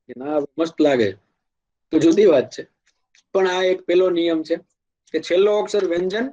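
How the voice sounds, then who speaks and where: A man with a Kathiawadi Gujarati accent teaching an English grammar lecture, explaining slowly with spoken examples and asides. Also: high-pitched, warm tone, highs cut off. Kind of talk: classroom lecture.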